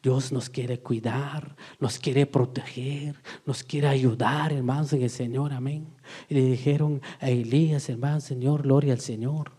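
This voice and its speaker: Fervent preacher, loud then hushed. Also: male voice, mid-range voice, steady tone, measured pace, breathy edge. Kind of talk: evangelical sermon.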